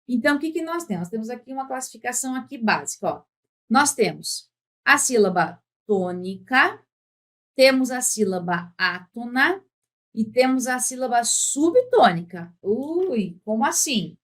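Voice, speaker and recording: A woman's voice: a little high, animated. A woman teaching a Portuguese grammar lesson for exam prep, patiently drawing out example words and checking in often. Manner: patient, drawn-out words when giving examples.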